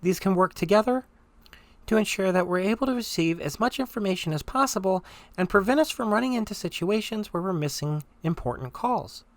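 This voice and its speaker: A presenter giving step-by-step software tutorial narration in an instructional, conversational manner. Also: mid-range voice, expressive, a little fast, dry recording.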